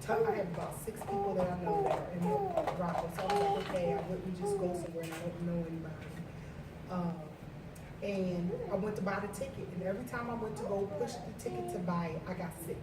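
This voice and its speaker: A woman telling a personal story in casual conversation with friends, earnest and animated. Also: medium pitch, fast talker. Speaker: guest. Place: home with friends. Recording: far mic, echoey room, noisy.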